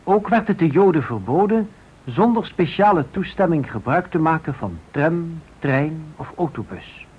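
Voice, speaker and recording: A man narrating a Dutch radio play in the grave, formal style of an announcer, with a husky voice. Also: fairly high pitch, expressive, moderate pace. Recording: dull old radio recording.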